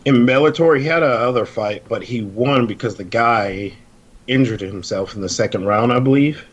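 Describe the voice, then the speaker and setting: A man's voice: medium pitch, normal speed. Laid-back joking man on a podcast. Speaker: podcast guest. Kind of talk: casual chat.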